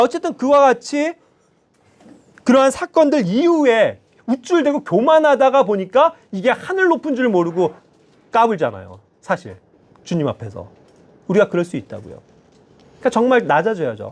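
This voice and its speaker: A male lay preacher delivers a sermon in a church, animated and constantly checking in with his listeners. His voice sits high and leaps widely in pitch. He keeps the congregation engaged with short questions.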